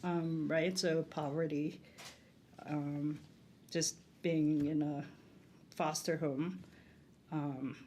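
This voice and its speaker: A woman from the Philippines answers interview questions in a lowish voice, pausing often and restarting her sentences. A faint hiss runs under her speech. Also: steady tone, warm tone. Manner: hesitant, many ums and restarts. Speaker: guest, leadership coach.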